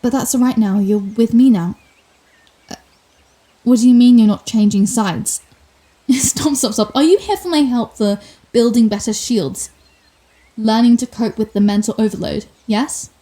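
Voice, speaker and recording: A woman playing a proud, sardonic telepathic villain with a secret soft side, in a theatrical, wry manner for an intimate ASMR roleplay. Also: fairly high pitch, a little slow, long pauses, close to an everyday voice. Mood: awkward, comforting, then incredulous, sardonic. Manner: theatrical, wry, flustered denials, grand pronouncements.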